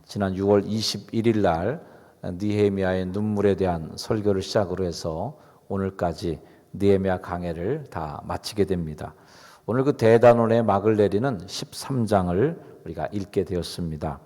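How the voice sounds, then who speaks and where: Chatty middle-aged pastor in reverberant church. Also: male voice, sits low, moderate pace, dark tone. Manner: conversational, chatty preaching with asides to the congregation. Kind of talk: sermon. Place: church sanctuary. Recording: long reverb of a church hall.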